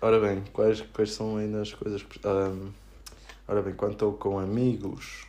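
Fairly slow and monotone, a man with a fairly low pitch and a dark, mellow tone speaks with big swings in loudness amid audible room echo. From Portugal. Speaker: podcast co-host. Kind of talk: casual chat.

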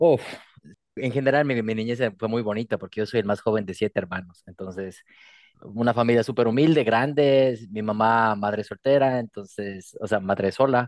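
Against a quiet background, a man of medium pitch speaks in a plain, everyday voice at a moderate pace with ordinary pitch variation. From Ecuador, small town. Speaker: interview guest. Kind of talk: personal testimony interview.

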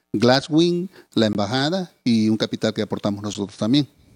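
A man's medium-pitched voice with ordinary pitch variation, recorded very cleanly against a silent background, dry and close with no echo. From Honduras, San Pedro Sula. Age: 60s. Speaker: entrepreneur and mayoral candidate. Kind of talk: interview.

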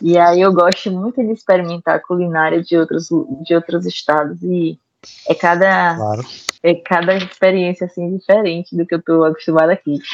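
This woman's pitch sits fairly low, and her intonation stays fairly even. She speaks at a moderate pace, and the sound is dry and close with no echo. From Brazil, Bahia (Salvador). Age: 30s. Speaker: traveler. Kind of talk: casual chat.

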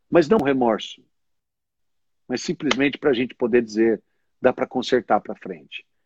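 With ordinary pitch variation, a man speaks at a medium pitch in a dry, close sound with no echo. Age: 40s. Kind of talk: faith talk in a live stream interview. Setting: online live stream.

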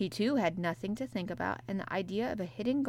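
Reading done in an unforced voice

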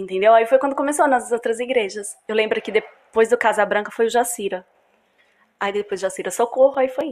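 A woman with a fairly high pitch talks at a fairly quick pace in an unremarkable speaking voice, with ordinary pitch variation. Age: 30s. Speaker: pastor. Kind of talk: casual chat.

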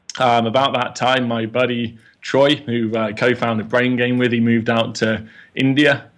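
This man has an English accent. His voice sits at a medium pitch. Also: very clean recording, silent background. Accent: British English, English. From England, Oxford. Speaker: guest, travel entrepreneur. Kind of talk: casual interview.

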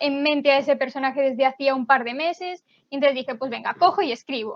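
The speaker is a woman with a high pitch and ordinary pitch variation. She talks fairly quickly. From Galicia, Spain. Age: 20s. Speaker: novelist. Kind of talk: interview.

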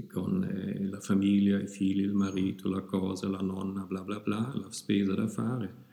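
A man with a German accent speaks at a fairly low pitch with a dark, mellow tone. His pace is fairly slow, with hardly any pauses and fairly even intonation. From Germany, Frankfurt. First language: German (speaking Italian). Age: 50s. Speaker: yoga teacher. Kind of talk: interview. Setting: at the guest's yoga studio. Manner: halting.

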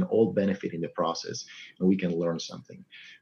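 A man with a Spanish accent speaks at a fairly low pitch with fairly even intonation. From Argentina. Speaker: neurology professor. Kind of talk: interview.

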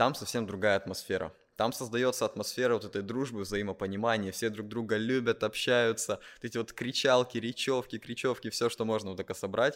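On a very clean recording with a silent background, a man with an unremarkable speaking voice talks at a fairly quick pace. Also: medium pitch for a man, fairly even intonation. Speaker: podcast host, event host. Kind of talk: casual interview chat.

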